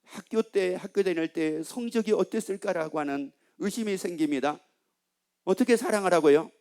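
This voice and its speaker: A man's voice: high voice, normal speed, darkish tone. A male pastor preaching a sermon, putting questions to the congregation and repeating their answers back, with teasing asides.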